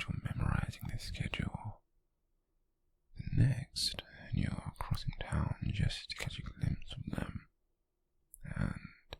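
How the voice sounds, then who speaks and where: A British man playing an obsessive, menacing stalker in an ASMR roleplay, whispering in a teasing, possessively tender way with a breathy, gravelly voice. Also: extremely low pitch, no room sound, full character voice. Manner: slow, lingering, teasing and menacing. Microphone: very close, dry microphone.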